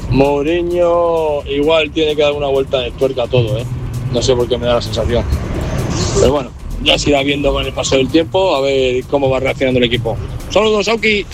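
A man's voice: medium pitch, a little fast, rough recording. A man calling in to a sports radio show, casual and chatty, in a recorded voice message. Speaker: listener calling in. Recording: voice message over music bed.

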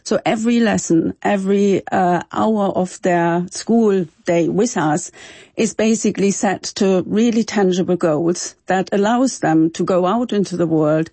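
A woman, co-founder of an education project, explaining its work clearly in a radio studio interview. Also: mid-range voice, unhurried, warm tone, no echo.

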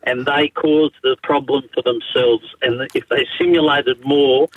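A man's voice: mid-range voice, steady tone, measured pace, breathy edge, no echo, narrow, tinny audio. Blunt Australian man calling in. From Spain. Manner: blunt, matey. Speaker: caller.

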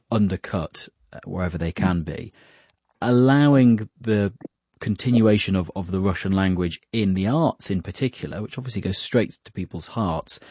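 A man's voice: low-pitched, a little mellow, slightly rough, no room sound, studio quality. A man presenting the news, pressing his guests with challenging questions. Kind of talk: probing interview questions.

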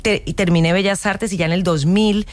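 A Colombian woman in her forties, an actress speaking casually in an interview, telling her story in a lively way with frequent restarts and long lists. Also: on the low side, fairly quick. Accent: Colombian Spanish.

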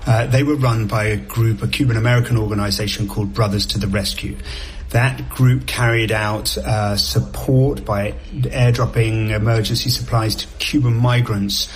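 A man reporting live as a foreign correspondent, explaining events in a measured way with some fillers and restarts. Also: lowish voice, steady tone, a little hiss or hum. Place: remote location on a live link.

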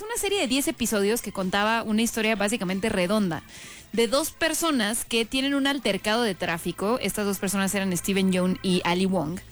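A woman hosting a casual chat, presenting recommendations with expressive reactions. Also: medium pitch. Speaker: podcast host.

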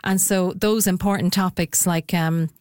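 A woman's voice: fairly low pitch, steady tone, measured pace, a little mellow, no echo, studio quality. A woman professor speaking as a radio interview guest, enthusiastic and chatty, with fillers like "I mean" and "you know".

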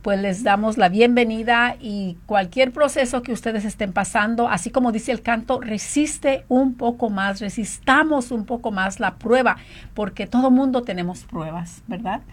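A woman's voice: on the high side, moderate pace. A woman hosting a Christian radio talk, chatting with a guest and then leading a fervent prayer. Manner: fervent praying, many fillers. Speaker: radio show host.

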